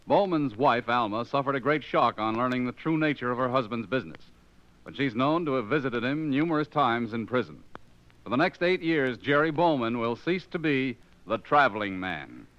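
An actor with an American accent playing a businesslike federal agent narrating a case in a 1950s radio drama. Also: male voice, mid-range voice, animated, normal speed, natural voice. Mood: factual, conclusive. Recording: dull vintage radio recording.

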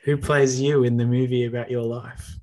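A man hosts a podcast in an easy, conversational way and laughs often with his guest. His voice sits at an ordinary middle pitch. He asks questions and shares thoughts at a relaxed pace. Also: normal speed. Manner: chatty, relaxed, laughs easily. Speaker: podcast host. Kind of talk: casual podcast chat.

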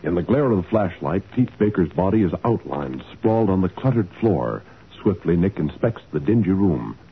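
Male narrator: low, animated, suspenseful 1940s radio delivery with organ behind and dull vintage sound. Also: normal speed. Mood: dramatic. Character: grave, dramatic male crime-story narrator. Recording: muffled 1940s radio recording. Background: loud organ music.

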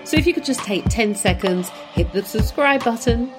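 A woman hosting a podcast interview, upbeat and energetic as she introduces her guest. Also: a little high, normal speed, loud music behind the voice. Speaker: podcast host.

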